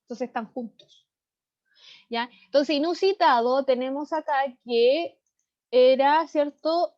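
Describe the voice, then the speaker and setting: A woman's voice: sits high, takes it slowly, a little mellow. A woman teaching a literature class online, explaining vocabulary and often checking in with tag questions. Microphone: computer mic on a video call. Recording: slightly dull video-call audio.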